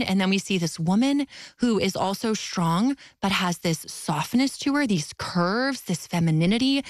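A woman author talking as a guest in an interview, with a loud voice and expressive delivery that often leaps high in pitch. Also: no echo, studio quality. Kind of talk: faith-based interview talk.

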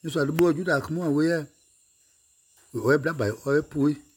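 A man's voice: on the high side, fairly even intonation, moderate pace, husky. A man singing or chanting in a repetitive way, returning again and again to short refrains. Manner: repeats short refrains over and over.

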